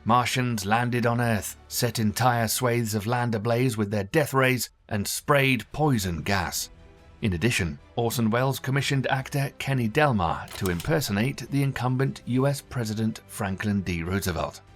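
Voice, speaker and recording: A man reading a scripted documentary narration in a measured, even storytelling manner. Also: mid-range voice. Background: faint background music.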